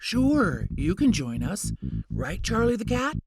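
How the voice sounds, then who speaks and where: A woman playing a cheerful, eager young boy adventurer in a children's animal fairy tale, with an expressive delivery. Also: medium pitch, takes it slowly, creaky, faint music behind, heavily acted. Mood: friendly. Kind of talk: children's storytime character acting.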